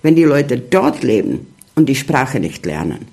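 Man, gravelly voice. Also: medium pitch, very animated, darkish tone. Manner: halting, searching for words, many fillers. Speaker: interview guest. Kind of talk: casual interview talk.

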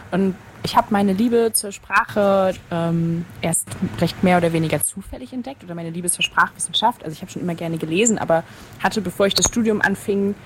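Hesitant young woman, noisy recording. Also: fairly low pitch. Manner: thoughtful, hesitant with many fillers. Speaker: podcast guest, linguistics student. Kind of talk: casual chat. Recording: noticeable background noise.

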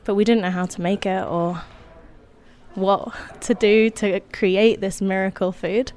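A woman born in Indonesia, whose first language was Indonesian, telling a personal story in an unhurried, wry way with soft laughs. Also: mid-range voice, steady tone.

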